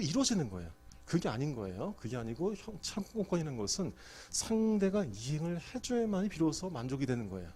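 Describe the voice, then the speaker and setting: A man's voice: on the high side, breathy edge. Middle-aged guy teaching law exam prep, voice swings up and down a lot, keeps asking the class stuff. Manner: lively, asks and answers own questions. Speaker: law lecturer.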